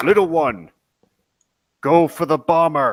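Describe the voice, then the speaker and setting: A man shouts in a gruff, put-on character voice at a fairly slow pace. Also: fairly high pitch for a man. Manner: yelling.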